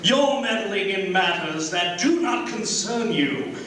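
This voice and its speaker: A man's voice: high-pitched, lively intonation, slow pace, bright, forceful tone, exaggerated voice. A man playing a weary, sardonic villainous robot general, theatrical and drawling, in a live script reading. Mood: mocking. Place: live convention stage in a hall. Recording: echoey hall, distant, clearly noisy.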